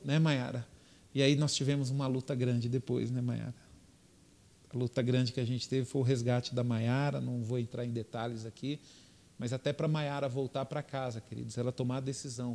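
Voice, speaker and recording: A man's voice: medium pitch, a little mellow. An older man, a pastor telling a testimony story in a sermon, often turning to the congregation and repeating himself as he goes.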